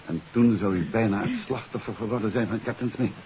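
An actor playing a shrewd, composed gentleman detective in a 1950s radio mystery, probing and explaining courteously. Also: fairly low pitch, brisk, lightly acted. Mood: explanatory. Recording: hissy, dull 1950s radio recording.

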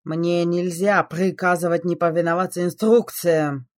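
A man voicing a relentless female robot who speaks in a slow, dutiful, flat contralto. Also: high-pitched, no room sound, clean studio sound, pitched above the performer's own voice. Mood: cold dutiful.

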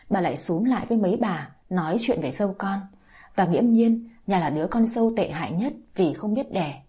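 Calm woman reading a story aloud. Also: medium pitch, husky. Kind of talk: scripted story narration.

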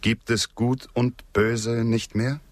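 An actor playing a loyal, earnest white frontiersman in a radio drama, speaking gravely and poetically. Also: medium pitch, little pitch movement, slow, no room sound. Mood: troubled, questioning. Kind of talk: German radio drama acting.

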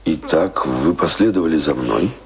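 An actor in a radio play playing a brooding, weary man in love, speaking in a bitter, theatrical, gravelly way. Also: extremely low pitch, normal speed. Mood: guarded.

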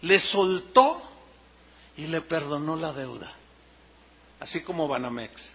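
A man with a Mexican accent preaching a sermon, animated, explaining the meaning of words and acting out scenes. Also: fairly high pitch, slow pace, breathy edge. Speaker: pastor. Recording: dull lo-fi sermon recording.

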